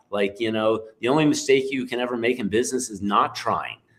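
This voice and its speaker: A man talks at a moderate pace and medium pitch. It is a plain, everyday voice. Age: 60s. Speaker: magazine co-publisher and cannabis entrepreneur. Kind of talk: podcast interview.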